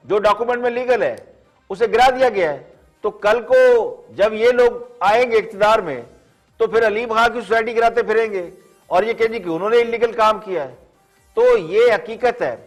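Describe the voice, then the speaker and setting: A man with a Pakistani Urdu accent hosts a news commentary show. His voice sits high, and his delivery is measured and ironic. Soft music plays underneath. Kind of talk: scripted commentary to camera.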